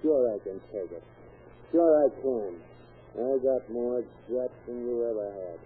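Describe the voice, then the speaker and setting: An actor playing a small-time crook in an old radio crime drama, defending himself in street slang. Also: male voice, medium pitch, unhurried, a little hiss or hum, lightly acted. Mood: defiant. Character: nervous small-time male crook pleading for his life. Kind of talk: 1940s radio acting. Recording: tinny lo-fi old radio recording.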